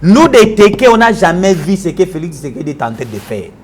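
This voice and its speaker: A man's voice: sits high, expressive, a little fast, darkish tone, a little hiss or hum. A man from Kinshasa with a Congolese French accent, delivering a combative political tirade on a TV show and switching into Lingala. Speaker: political commentator.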